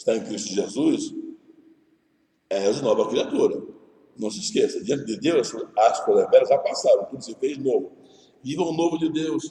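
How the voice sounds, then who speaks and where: A man talks at a moderate pace with long, frequent pauses and big swings in loudness. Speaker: pastor. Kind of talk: sermon.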